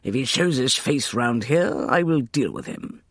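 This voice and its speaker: A blustering older man with a gravelly, blunt way of talking, gruff but kindly underneath, as a male narrator does him. Close, dry sound with no room echo. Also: medium pitch, big pitch swings, a little slow, fairly bright tone, heavily acted.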